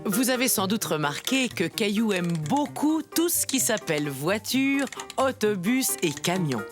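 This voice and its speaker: A woman playing a kindly grandmother narrator, reading a children's cartoon story in a gentle, explanatory way. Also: mid-range voice, big pitch swings, measured pace, over music.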